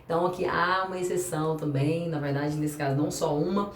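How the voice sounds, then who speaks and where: Speaking a little fast, with a low voice and fairly even intonation, a Brazilian Portuguese-accented woman explains English grammar to an online class. She spells out letters, asks rhetorical questions, and keeps it chatty, in an echoey room slightly distant from the mic with a faint hum in the background.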